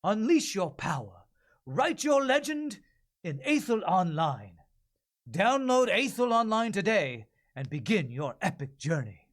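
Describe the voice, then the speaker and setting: A man voicing a heroic, excited announcer for an epic fantasy game trailer, pompous and theatrical. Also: high-pitched, unhurried. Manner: pompous, sweeping, theatrical delivery. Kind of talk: dramatic video game trailer narration.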